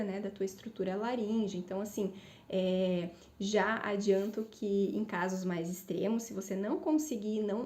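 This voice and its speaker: A woman's voice: medium pitch, mellow. A woman speech therapist in her thirties giving a conversational voice lesson, explaining and often checking in with her listeners. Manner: explanatory, conversational, frequent tag questions. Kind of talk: voice coaching lesson. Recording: echoey room.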